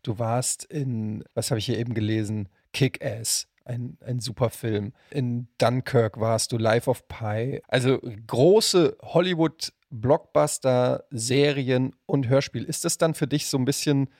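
A man's voice: medium pitch, unhurried, hardly any pauses, darkish tone, no room sound, studio quality. A man, hosting a casual interview as a podcast host.

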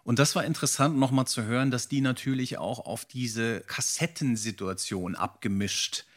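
A man's voice: mid-range voice, normal speed. A middle-aged man chatting casually and enthusiastically as a podcast co-host. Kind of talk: casual chat.

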